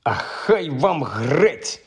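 A man's voice: on the high side, natural voice. A man doing a sulky, irritable young wizard. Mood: indignant. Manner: irritable, drawn-out complaining. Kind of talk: audiobook character voice.

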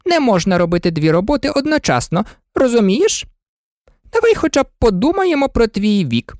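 A woman's voice: sing-song, normal speed, darkish tone, dry recording, clean studio sound. A woman voicing a fussy, scatterbrained elderly queen who talks in flustered exclamations. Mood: insistent. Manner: flustered, exclaiming, squeaky at times.

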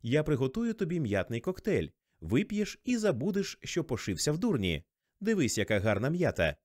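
A man's voice: fairly high pitch, very animated, normal speed, a little mellow, pitched above the performer's own voice. Daisy, as a man puts her on, pleading, raised voice. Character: young woman, upset, pleading society wife.

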